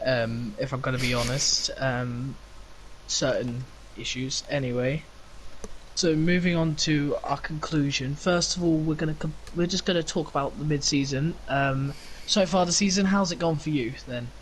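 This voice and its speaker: A man's voice: fairly high pitch, steady tone, normal speed, slight background noise, poor audio. A man hosting a casual racing podcast, chatty and teasing, laughing often. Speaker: podcast host.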